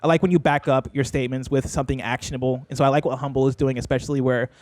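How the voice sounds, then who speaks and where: A man speaking as a guest on a panel discussion, telling stories in an animated way and laughing between bursts. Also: mid-range voice, racing, no room sound.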